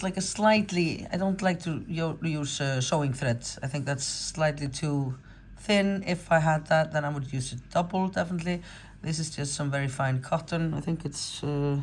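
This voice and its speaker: Icelandic lady in her 40s, low voice, rambly chatty crochet how-to, lots of ums and restarts. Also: vocal fry, darkish tone, slight background noise. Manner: chatty, rambling, self-correcting with fillers. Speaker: crochet pattern designer. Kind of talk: casual how-to tutorial.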